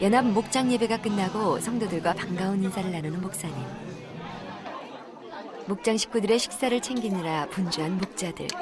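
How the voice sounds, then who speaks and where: A woman at medium pitch and a moderate pace, with ordinary pitch variation, long, frequent pauses and crowd noise in the background. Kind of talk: documentary narration.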